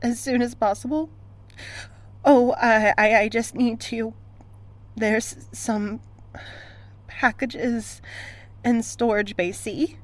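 A woman playing a lonely, weary and hesitant moon dweller in a sci-fi audio drama, halting and awkward. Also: a little high, fairly even intonation. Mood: anxious, halting.

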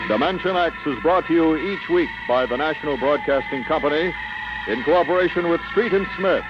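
A man's voice: a little high, brisk, low-quality recording. A man reading scripted credits as a 1950s radio announcer. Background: music.

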